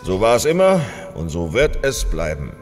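A man playing a stern, scornful older father in a German sci-fi audio drama, pompous, deliberate and cutting. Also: deep voice, wildly swooping pitch. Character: stern, scornful father lecturing his adult son. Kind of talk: German science fiction audio drama acting. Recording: long hall reverb, faint music.

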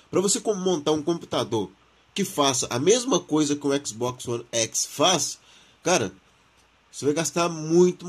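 A man's voice: on the high side, slightly rough. A Brazilian man hosting a gaming channel, reading and commenting on news in informal, slangy talk, his throat sore from the flu.

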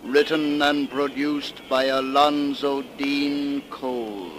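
Male announcer, mid pitch, extremely unhurried, dramatic 1930s radio style, noisy recording. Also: steady tone.

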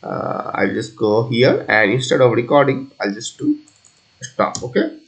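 A man presenting an unscripted software tutorial, talking haltingly as he thinks through each step aloud. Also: medium pitch, wildly swooping pitch, gravelly. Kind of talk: unscripted screencast coding tutorial.

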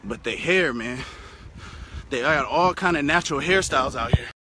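A man's voice: medium pitch, normal speed, noisy background. A young American man with an African American English accent, chatting loosely on a phone at arm's length while cycling on an outdoor road, swearing casually. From United States. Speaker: vlogger. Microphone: phone held at arm's length. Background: passing cars.

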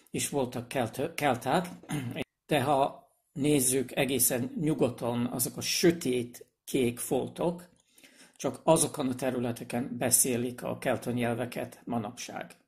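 A man giving a casual explanatory video lesson, speaking hesitantly with pauses, fillers and restarts. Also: mid-range voice, darkish tone. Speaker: language presenter.

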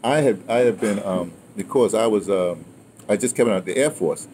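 A man's voice: lowish voice, moderate pace. An American man in his sixties telling stories casually in a rambling, digressive way, full of check-in tags. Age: 60s. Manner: animated, rambling, digressive, often ending phrases with "right?" and "you know". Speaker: guest recounting his radio history. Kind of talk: casual conversational storytelling. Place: outdoors, by a house with a wooden awning. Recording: clear background ambient noise outdoors.

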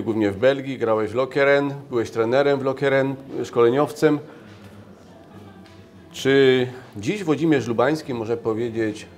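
Older male interviewer, measured questions. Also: mid-range voice, darkish tone. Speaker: interviewer, host. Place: brick-walled restaurant, indoors. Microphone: lapel.

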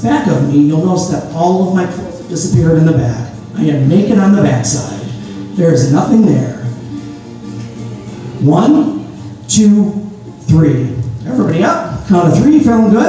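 A man's voice: high voice, warm tone. Man hypnotist teasing volunteers on stage. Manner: playful, teasing questions to volunteers. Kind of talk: live stage hypnosis show. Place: small theater stage. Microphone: handheld mic. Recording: echoey theater audio from far off with music.

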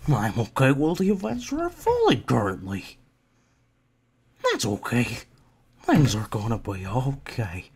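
A man puts on an uneasy cartoon fellow. The voice is rough and husky, lurching up and down as he holds on to calm. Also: mid-range voice, a little slow, long pauses, voice pushed down, heavily acted. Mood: strained calm.

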